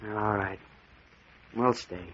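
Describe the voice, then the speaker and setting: An actor playing an uneasy, guarded young college student in an old-time radio drama. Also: male voice, lowish voice, steady tone, slow pace, fairly bright tone. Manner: guarded, short answers. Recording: muffled old radio recording.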